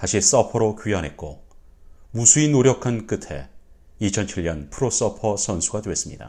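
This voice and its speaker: With lively intonation and a dark, mellow tone, a man is heard in a very clean recording with a silent background. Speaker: channel host, narrator of true inspirational stories. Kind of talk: storytelling narration of a true story.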